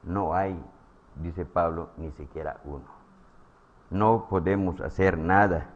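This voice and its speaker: A man preaching a sermon, repeating his phrases, calling his listeners brothers and asking "eh?" as he swings from loud emphatic lines to low quiet ones. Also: takes it slowly. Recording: dull lo-fi sound.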